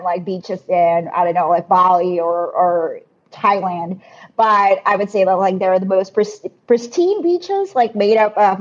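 A woman in her thirties from the Philippines talks casually as a guest, stacking up fillers and restarting her sentences. Her voice has a husky edge. The recording sounds muffled and lo-fi. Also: medium pitch. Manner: chatty, many fillers and restarts. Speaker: podcast guest. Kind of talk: casual interview talk. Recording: muffled lo-fi audio.

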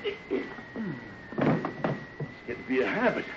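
An actor playing a nervous, jittery outlaw in a 1950s radio drama. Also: male voice, medium pitch, huge pitch swings. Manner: jittery, hurried. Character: nervous crooked outlaw brother. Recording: dull hissy 1950s radio broadcast.

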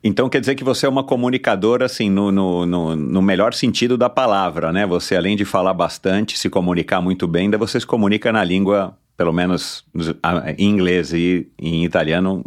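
A man's voice: low-pitched, fairly quick, few pauses. A man hosting an interview who backs the guest with short affirmations and asks long, rambling questions. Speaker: interview host. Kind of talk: casual interview talk.

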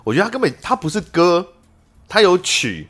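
Male podcast host, Taiwanese accent. Casual, bantering interview style with very lively intonation. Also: high voice, brisk. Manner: bantering, teasing the guest.

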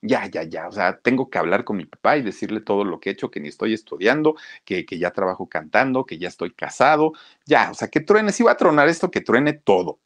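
A man's voice: fairly low pitch, big pitch swings, brisk, a bit bright. A man voicing a brash sixteen-year-old boy with a Mexican accent, talking in an eager, pleading, dramatic way. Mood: fed up. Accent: Mexican Spanish.

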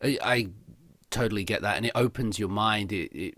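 A man hosting a casual interview, asking long, reflective questions and agreeing warmly with his guest. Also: on the low side, moderate pace. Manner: reflective, asks long questions with restarts and backchannels. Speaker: interview host.

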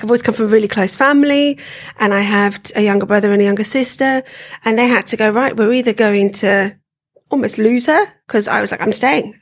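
A woman from South Africa, a sales professional talking as a podcast guest, chatty and often restarting her sentences. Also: mid-range voice. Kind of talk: casual interview chat.

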